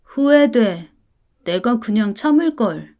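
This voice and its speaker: A woman's voice: a little high, expressive, takes it slowly, warm tone. A woman voicing a stubborn, resentful young schoolboy in a story. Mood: glum. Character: sulky defiant schoolboy, about ten.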